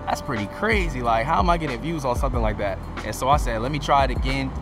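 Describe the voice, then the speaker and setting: Music plays behind a man talking at a very fast pace. The sound is dry, with no echo. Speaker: interviewee. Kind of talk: interview answer. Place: street.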